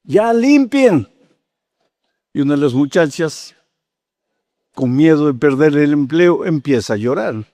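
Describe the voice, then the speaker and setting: Old guy in his 80s preaching, kinda high voice, tells stories w/ voices then gets fired up, dry sound. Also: normal speed, mellow, dry recording. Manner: storytelling preacher, acting out dialogue, rising to fervent exhortation. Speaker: pastor. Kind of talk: sermon.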